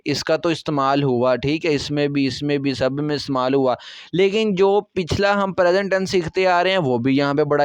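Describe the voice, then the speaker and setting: A man with an Urdu accent teaches from a textbook in a patient, step-by-step way. His voice is smooth and resonant and sits a little high. The close recording is dry, with no room sound. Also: no room sound. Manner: patient, repeats key words, checks with "theek hai". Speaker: Korean language teacher. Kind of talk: explaining a textbook lesson.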